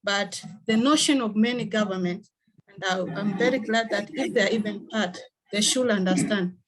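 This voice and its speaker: A woman's voice: mid-range voice, normal speed, slight background noise, rough recording. Earnest Tanzanian woman at a meeting. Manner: earnest, with fillers and restarts. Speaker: NGO worker. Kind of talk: online meeting remarks.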